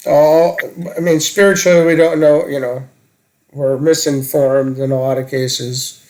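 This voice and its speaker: A man's voice: fairly high pitch, steady tone, a little slow, a little mellow, poor audio. A man in casual discussion, hesitant and groping for his words as he puts questions and thoughts across. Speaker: conversation partner asking questions.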